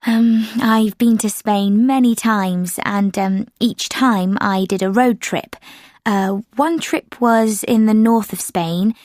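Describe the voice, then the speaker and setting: Woman, french first language, steady talk with lots of ums, dry close sound. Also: mid-range voice, slow, dry recording. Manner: steady, with frequent um and uh fillers. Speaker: sample answer speaker. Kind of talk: scripted exam answer recording.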